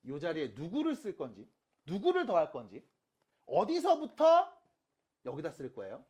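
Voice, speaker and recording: A math teacher lectures high school students online, with a voice that swings widely up and down in pitch. The teacher keeps checking in with quick rhetorical questions and slows right down to repeat each key step. Casual and polite speech alternate throughout. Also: darkish tone, breathy edge. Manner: repeats key steps slowly and emphatically.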